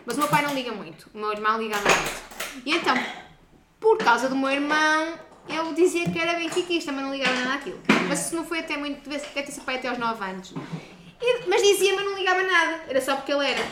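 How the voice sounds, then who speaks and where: A high-pitched female voice with a European Portuguese accent, chatting in a casual, animated way. The room rings with echo, and there is clear background noise with kitchen clatter. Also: fast. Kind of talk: casual chat.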